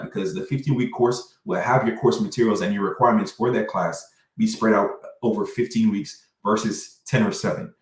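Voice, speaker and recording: A man walks students through course details in an emphatic presenter's voice, low-pitched and often tagging "right?" onto his points. He sounds set back from the mic in a reverberant room. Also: recorded from a distance. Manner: emphatic, keeps asking "right?". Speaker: dual enrollment presenter. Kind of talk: informational presentation.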